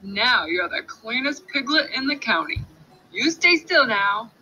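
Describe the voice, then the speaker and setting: A woman doing a slow, gloating hungry fox. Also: a little high, animated, sharp tone, slight background noise, heavily acted, rough recording. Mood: musing. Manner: slow, gloating, drawn-out lines. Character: hungry sly male fox, greedy.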